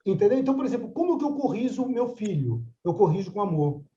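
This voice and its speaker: Animated older man teaching a class. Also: high-pitched, quick pace, echoey room, muffled recording. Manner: conversational, frequent tag questions. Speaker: course mediator. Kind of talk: religious study class.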